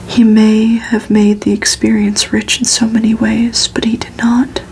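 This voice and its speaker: Female ASMR reader: whispered storybook narration, crackly fry, very even intonation, soft and breathy. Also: fairly high pitch. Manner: slow, soft, unhurried delivery. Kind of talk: ASMR whispered novel reading.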